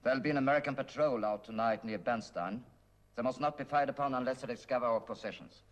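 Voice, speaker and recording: A man acting as a commanding German general in an old war film. He gives clipped, formal orders at a quick pace and a medium pitch. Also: lightly acted.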